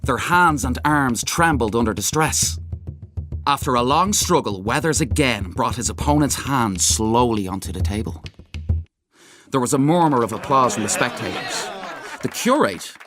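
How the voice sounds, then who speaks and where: Guy reading a classic story, really animated pitch, dramatic and measured, strings and guitar music behind. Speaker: audiobook narrator. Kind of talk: expressive scripted literary narration.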